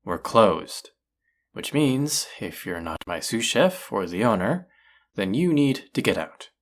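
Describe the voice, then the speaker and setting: A man's voice: fairly low pitch, big pitch swings, takes it slowly. A man playing a proud, combative restaurant chef in an audio roleplay, indignant, condescending and sarcastic as he argues. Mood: curt, irritated. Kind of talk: audio roleplay acting, one-sided dialogue.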